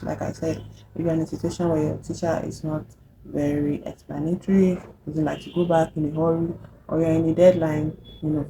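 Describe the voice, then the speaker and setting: A woman with a Nigerian accent giving a casual whiteboard maths lesson. She is chatty and encouraging, checks in with "yeah?" and "okay?", and slows down to spell out formulas as she writes. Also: deep voice, creaky, noisy background. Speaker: math tutor vlogger.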